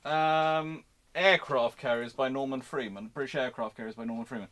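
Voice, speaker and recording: A man's voice: medium pitch, normal speed, fairly bright tone. A man hosting a casual live question-and-answer talk, often breaking off and restarting as he speaks. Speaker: host of a naval history livestream.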